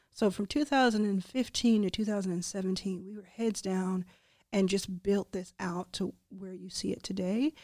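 Recorded very cleanly against a silent background, a woman with an American accent speaks at a moderate pace and medium pitch, her dark, mellow tone carrying fairly even intonation and big swings in loudness. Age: 30s. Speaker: venture capital investor. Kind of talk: interview. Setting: studio.

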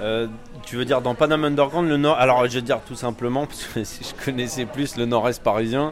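Over music in the background, a man talks at a fairly quick pace. His pitch is medium and his intonation fairly even. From Paris suburbs, Val-de-Marne. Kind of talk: interview. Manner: casual, hesitant.

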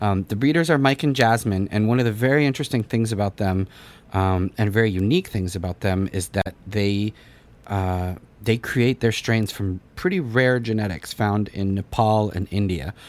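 An unremarkable speaking voice at a moderate pace, with ordinary pitch variation, on a very clean recording with a silent background. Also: man, fairly low pitch for a man. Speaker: cannabis podcast host. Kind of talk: casual chat.

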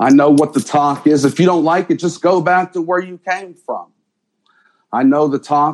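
Delivery comes at a moderate pace. It is an ordinary speaking voice. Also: man. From Pittsburgh, Pennsylvania. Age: 40s. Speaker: Baptist minister. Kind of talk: sermon.

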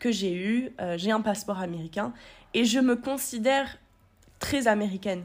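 At a moderate pace, a woman speaks at medium pitch with ordinary pitch variation, in a very clean recording with a silent background. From southern France, near Nice. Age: 20s. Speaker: podcaster. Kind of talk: personal audio diary monologue. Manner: hesitant, many fillers.

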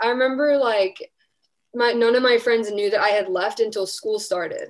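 An unremarkable speaking voice: a woman at a moderate pace, fairly high in pitch, with fairly even intonation and very even loudness. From UK, raised in London, Beijing, then North Carolina. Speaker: guest, college student. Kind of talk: casual chat.

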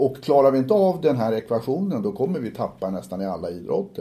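With a Stockholm accent, a man speaks at a fairly quick pace in a medium pitch, his tone dark and mellow and somewhat breathy, swinging very widely in pitch. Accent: Stockholm Swedish. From Stockholm, Sweden. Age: 50s. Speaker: ice hockey executive. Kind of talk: interview. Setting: office.

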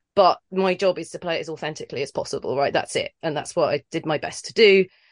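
With a London accent, a woman talks at a very fast pace and in fairly even intonation against a quiet background, the sound dry and close with no echo. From London, England. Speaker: actor. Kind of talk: casual interview chat.

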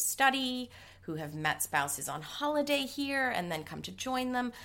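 With an American accent, a woman talks in a bright, sharp tone and lively intonation on a very clean recording with a silent background. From New York. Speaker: social entrepreneur, catering company founder. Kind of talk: interview conversation.

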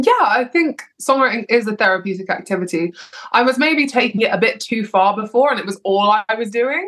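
Lively intonation and a fairly quick pace mark this woman's fairly high voice, an ordinary speaking voice. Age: 20s. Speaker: singer-songwriter. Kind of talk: casual chat.

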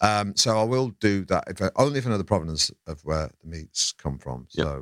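Recorded very cleanly against a silent background, a man with an English accent talks at a moderate pace in a dry, close sound with no echo. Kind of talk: casual chat.

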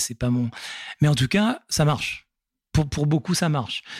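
The man's delivery is fairly quick. Behind him the background is silent, and the recording is very clean. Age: 40s. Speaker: person recovering from alcohol addiction. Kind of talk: testimony. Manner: halting.

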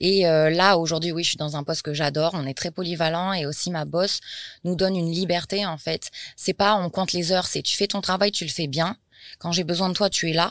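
In a normal speaking voice, a woman talks at a fairly quick pace with fairly low pitch and fairly even intonation, on a very clean recording with a silent background. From New Caledonia. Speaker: lawyer and fitness entrepreneur. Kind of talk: casual interview. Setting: cinema hall.

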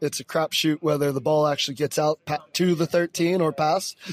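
In an American accent, a man speaks at a fairly high pitch with monotone, flat intonation. The sound is dry and close with no echo, over noticeable background noise. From Florida, US. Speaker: amateur rugby coach. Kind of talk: post-match interview. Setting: outdoors outside a pub.

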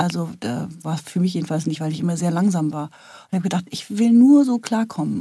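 A somewhat breathy woman's voice, dark and mellow in tone, at a very fast pace with ordinary pitch variation. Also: very clean recording, silent background. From northern Germany, North Frisia near Husum. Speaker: novelist. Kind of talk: interview conversation.

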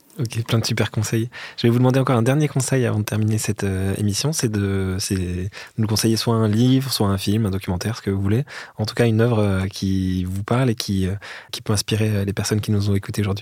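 A plain, everyday voice speaks at a fairly quick pace with fairly even intonation. The recording is very clean, with a silent background. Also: man, fairly low pitch for a man. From northern France. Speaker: podcast host. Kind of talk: interview.

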